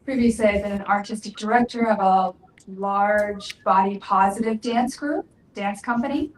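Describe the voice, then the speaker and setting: A woman voicing deaf panelists' introductions as a sign language interpreter, speaking in measured short phrases. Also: medium pitch. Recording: roomy, distant, faint ambient noise.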